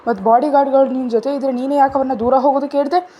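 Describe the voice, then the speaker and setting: A protective young man in a storybook snaps out worried scoldings in a raised voice, as a woman reads him. The tone stays husky and mellow, with a pitch that sits fairly high. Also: brisk, muffled recording. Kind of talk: storybook narration.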